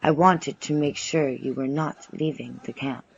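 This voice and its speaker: A man acting a solemn, slow, watchful warrior. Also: medium pitch, fairly even intonation, vocal fry, dull audio, a little hiss or hum. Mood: stern warning. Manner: solemn, commanding, formal. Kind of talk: audio drama dialogue.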